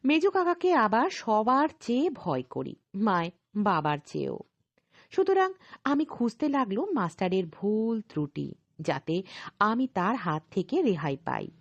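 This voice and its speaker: A woman's voice: mid-range voice, big pitch swings, unhurried, dry recording. A woman narrating an audio story expressively, acting out the dialogue. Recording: slightly dull, lo-fi recording.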